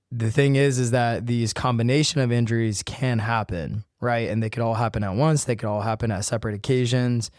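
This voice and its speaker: A man hosting his own podcast and talking casually to listeners, his voice a little hoarse from illness. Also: mid-range voice, a little mellow, no echo, clean studio sound. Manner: conversational, addresses listeners directly. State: voice worn from illness, slightly hoarse. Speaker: podcast host and physical therapist. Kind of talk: solo podcast talk.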